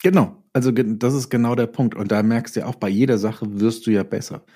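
A man's voice: mid-range voice, fairly even intonation, warm tone, husky. A middle-aged man speaking as an interview guest, telling things reflectively and often restarting his sentences as he goes. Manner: halting, self-correcting, reflective storytelling. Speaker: interview guest, audio drama writer and author. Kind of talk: conversational interview.

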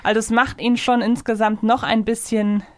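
A woman's voice: fairly high pitch, flat delivery, normal speed, no echo, clean studio sound. A woman co-hosting a podcast, casually but earnestly arguing her points and often rephrasing herself as she goes. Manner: earnest, argues her point, self-correcting. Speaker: podcast co-host. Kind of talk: casual analytical review chat.

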